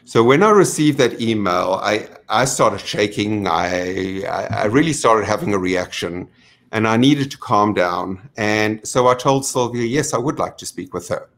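A middle-aged man on a video call from a home study, giving a measured, earnest account with frequent ums. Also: fairly low pitch, animated, fairly bright tone. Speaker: panelist. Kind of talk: online panel discussion.

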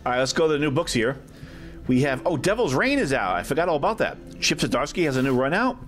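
Filming on a handheld camera he holds himself, a video host and comic collector gives a casual, off-the-cuff tour of a packed, medium-sized shop, often ending his remarks with questions. His voice is slightly high and a little bright, with a fast, sing-song delivery over soft background music.

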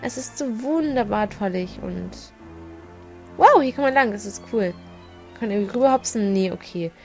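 A woman's voice: mid-range voice, lively intonation, normal speed, darkish tone. A woman giving casual, chatty video game commentary, giggling often and stumbling over her words. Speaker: let's play gamer. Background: faint game music.

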